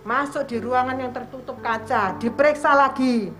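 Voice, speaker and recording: A woman's voice: high-pitched, normal speed, music in the background. Earnest older woman with an East Javanese accent. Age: 70s. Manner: earnest storytelling, acting out her own prayers and conversations. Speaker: church member giving testimony. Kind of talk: personal testimony at a worship service.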